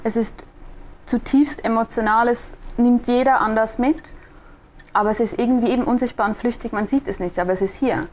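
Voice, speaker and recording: A woman's voice: a little high, fairly even intonation, a little fast, a little mellow. A young woman from Switzerland with a Swiss German accent, a designer answering interview questions thoughtfully, often restarting as she searches for words. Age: young adult. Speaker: guest, designer and podcaster.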